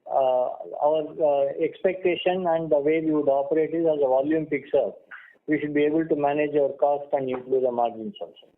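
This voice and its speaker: A man with an Indian accent answering analysts as a company executive on an earnings call, explaining in a halting way. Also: a little high, steady tone. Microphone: telephone conference line. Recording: muffled phone-line conference call audio.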